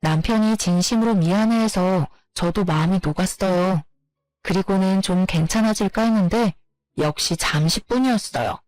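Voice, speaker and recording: A woman's voice: mid-range voice, no room sound. Woman narrating a story, dry voice. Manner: plain, steady storytelling with a complaining tone. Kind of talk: first-person story narration.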